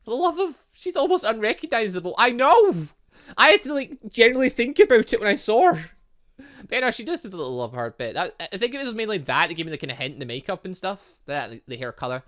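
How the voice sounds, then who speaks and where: A man giving excitable let's-play commentary, rambling along with playful, exclamatory asides. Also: sits high, quick pace. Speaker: gaming channel host.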